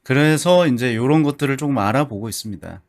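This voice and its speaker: Man livestreamer with very animated intonation. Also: mid-range voice, fast talker. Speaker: livestreamer, VTuber. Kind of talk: casual livestream chat with viewers.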